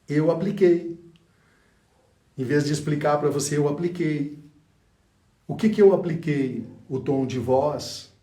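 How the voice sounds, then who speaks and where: A man teaching a public speaking lesson, demonstrating by shifting his loudness and pausing for effect. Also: mid-range voice, reverberant, distant mic. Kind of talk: speech course lesson.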